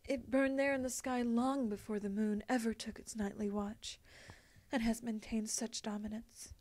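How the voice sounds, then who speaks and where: A woman voicing a wistful, regal winged pony princess in a storybook, speaking formally, softly and solemnly. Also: on the high side. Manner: formal, soft-spoken, solemn. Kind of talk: storybook character acting.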